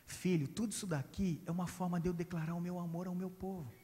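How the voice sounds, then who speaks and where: A Brazilian man voicing a gentle, fatherly king who speaks softly and slowly, sometimes in a whisper, in a church with a long echo. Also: high-pitched, steady tone, natural voice. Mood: tender. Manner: soft, slow, dropping to a whisper. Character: gentle loving old king, fatherly and tender. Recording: reverberant church hall.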